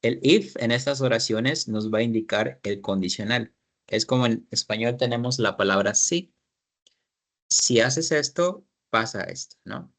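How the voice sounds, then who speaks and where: A man's voice: mid-range voice, measured pace, a bit bright. A man teaching an English class, explaining grammar in Spanish, repeating his students' sentences and asking guiding questions.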